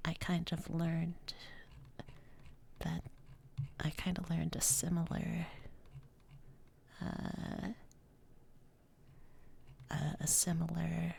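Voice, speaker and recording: A woman streamer whispering softly, rambling and chatting to her viewers. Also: on the low side, gravelly, husky. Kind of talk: whispered ASMR-style stream chat.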